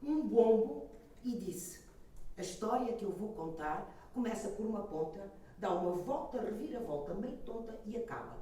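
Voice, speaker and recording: Woman reciting to a crowd, mellow tone, super echoey room, far from the mic. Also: mid-range voice, animated, moderate pace. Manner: reciting with a narrating cadence. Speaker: storyteller speaking to an audience. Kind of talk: public address, reciting. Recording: very echoey hall, distant mic, faint noise.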